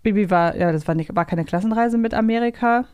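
A woman's voice: mid-range voice, fairly quick, a little mellow, smooth, no room sound, lo-fi sound. Woman chatting, dry close sound. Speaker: podcast host. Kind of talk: casual chat.

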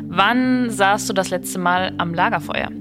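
A woman's voice: medium pitch, a little slow, music in the background. A woman hosting a podcast, asking questions in an upbeat, chatty way. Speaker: podcast host. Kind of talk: podcast interview.

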